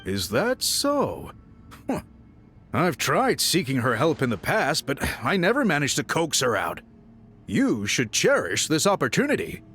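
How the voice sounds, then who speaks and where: A man's voice: fairly high pitch, huge pitch swings, a little slow, fairly bright tone, soft background music, exaggerated voice. A man playing a courteous, dutiful tribal chief in a video game, speaking formally and with deference. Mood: respectful. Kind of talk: scripted game dialogue.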